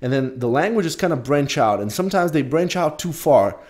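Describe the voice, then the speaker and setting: Young man telling an animated story at a podcast mic. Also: fairly high pitch, moderate pace. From Bulgaria. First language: Polish. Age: young adult. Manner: animated storyteller, gesturing, frequent restarts and swearing. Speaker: podcast co-host. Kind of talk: casual podcast chat. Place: small room at home, indoors. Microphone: studio mic on a boom, headphones.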